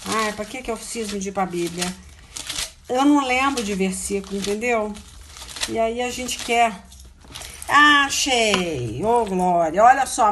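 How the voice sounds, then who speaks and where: A woman preaching an informal sermon, chatty and self-interrupting, tagging phrases with quick questions. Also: medium pitch, noisy background. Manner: chatty, hunts for verses aloud, frequent "né?" tags. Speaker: missionary preacher.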